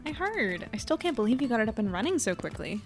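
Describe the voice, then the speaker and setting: A woman's voice: a little high, sing-song, fast talker, faint music behind. A woman playing a friendly, self-doubting small-town newspaper editor in an audio drama, with a casual, hesitant delivery. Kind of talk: naturalistic audio drama acting.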